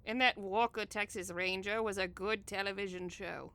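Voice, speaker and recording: A cold and scheming villainess played by a woman in an audio drama. She speaks with a gravelly creak, close and dry, mocking her targets with smug, sardonic ease. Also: medium pitch, steady tone, moderate pace, pushed and bright, dry recording. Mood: cold ruthless. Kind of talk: audio drama comedy acting.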